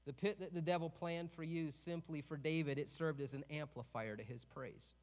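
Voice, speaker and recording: A man's voice: on the high side, steady tone, normal speed. Preacher man in a reverberant hall. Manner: conversational, joking asides, rising to emphatic peaks. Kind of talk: sermon.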